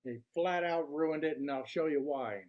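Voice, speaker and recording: An older man giving a prepared club workshop talk in a deliberate, showman-like way, posing rhetorical questions. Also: a little high. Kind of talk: prepared public speech to a club audience. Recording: dull, lo-fi sound.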